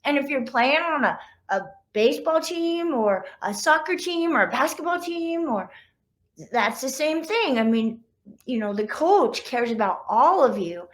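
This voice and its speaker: A woman with a high-pitched voice speaks as a children's author to young listeners. She is chatty and informal, explaining things simply and directly. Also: expressive, a little slow. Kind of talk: casual talk to children after a read-aloud.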